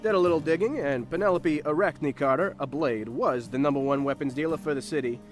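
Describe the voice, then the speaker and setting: An actor playing an eager, brisk police investigator in an audio drama, chatty and emphatic. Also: male voice, on the high side, soft background music, natural voice. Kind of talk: full-cast audio drama acting.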